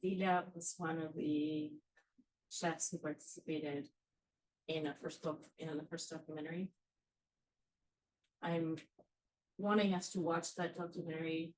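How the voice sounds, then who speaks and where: Slow, low-voiced woman moderator. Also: fairly even intonation, darkish tone, rough recording. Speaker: panel moderator. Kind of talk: introducing a film screening.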